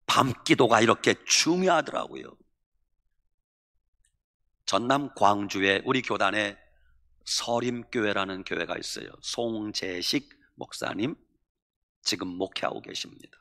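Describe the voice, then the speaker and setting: A male pastor preaching a sermon dramatically, swinging from shouting to near whispering. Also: fairly low pitch, measured pace, long pauses. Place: church sanctuary. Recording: echoey church hall.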